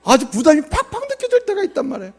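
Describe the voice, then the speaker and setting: A man's voice: extremely high pitch, huge pitch swings, very fast. A male pastor preaching a sermon in a church, often asking the congregation questions and telling jokes. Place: church sanctuary.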